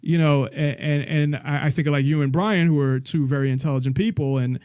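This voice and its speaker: A man's voice: on the high side, steady tone, brisk, darkish tone, clear, resonant tone, dry recording, clean studio sound. A man hosting a casual interview, talking in a rambling way with frequent restarts and small laughs. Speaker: host.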